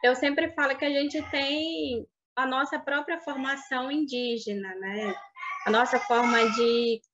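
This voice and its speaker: A woman in her thirties whose first language is Baniwa, telling her life story in an interview, reflective and halting, over a video call. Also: sits high, fairly even intonation. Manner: reflective, halting with restarts and soft fillers. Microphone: webcam on video call. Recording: dull lo-fi video call audio.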